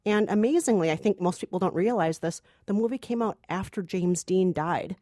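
A woman's voice: fairly low pitch, normal speed, dark tone, no room sound, studio quality. A woman co-hosting a film review podcast, talking casually with enthusiasm and emphasis. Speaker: podcast co-host, film critic.

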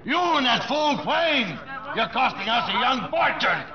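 Irate movie producer, gruff, high-pitched bluster, vintage band-limited radio sound with busy background. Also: male voice, sing-song, unhurried, highs cut off, crowd noise, heavily acted. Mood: exasperated. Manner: gruff, scolding. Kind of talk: 1940s-50s radio drama acting.

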